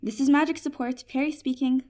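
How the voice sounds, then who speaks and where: High-voiced, patient genie support agent, played by a woman. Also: steady tone, a little fast, warm tone, natural voice. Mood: efficient, helpful. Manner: professional, patient, wry. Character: patient, helpful female genie working magic support desk. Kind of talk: fantasy comedy audio drama.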